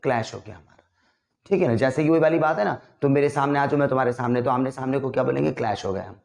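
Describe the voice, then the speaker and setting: A man's voice: medium pitch, fast, vocal fry, darkish tone. Man teaching vocabulary. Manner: drills words, repeating and checking with "ठीक है ना?". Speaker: English teacher. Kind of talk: classroom vocabulary lesson.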